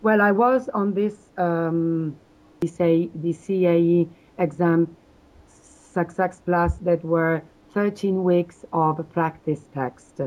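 A woman from South Africa answering interview questions hesitantly, with frequent pauses and restarts. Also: lowish voice, steady tone, a little mellow, poor audio. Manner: hesitant, many fillers and restarts. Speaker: interview guest, exam candidate.

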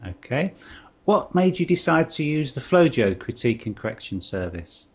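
A man hosts a podcast, his pitch rising and falling in a lively way. He speaks clearly and deliberately, spelling things out with care as he interviews his guest. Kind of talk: scripted intro, then interview questions.

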